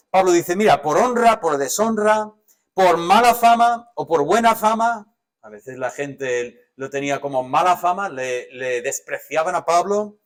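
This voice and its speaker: A man with a Spanish accent from Spain preaching a sermon as pastor, animated, swinging between loud emphatic lists and soft, low asides. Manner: animated, varies loudness widely, drops to soft asides.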